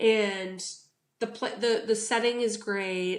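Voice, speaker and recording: Speaking with a Canadian accent, a woman has a fairly high pitch and a monotone, flat intonation. Her pace is very slow. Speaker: podcast co-host. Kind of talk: casual chat.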